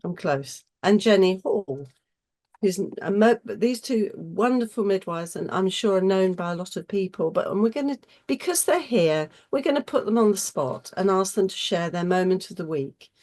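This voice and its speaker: A woman chairing an online session in a chatty, effusive way, her voice husky from a cold. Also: medium pitch, lively intonation, moderate pace, darkish tone. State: getting over a cold. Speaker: host chairing an online webinar. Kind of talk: informal presenter's welcome and introductions.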